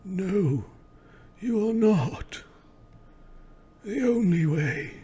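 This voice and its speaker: Man putting on a high-pitched, meddling old man. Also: animated, warm tone, slightly rough, heavily acted. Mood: indignant. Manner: drawn-out, theatrical, contrary. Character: stubborn, meddling old man, indignant and defiant. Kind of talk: tabletop game role-play.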